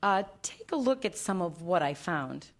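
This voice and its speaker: A woman's voice: lowish voice, very animated, moderate pace. A woman playing a prim, pedantic scholar of Greek culture in a staged comedy reading, speaking formally and precisely. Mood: dry, explanatory.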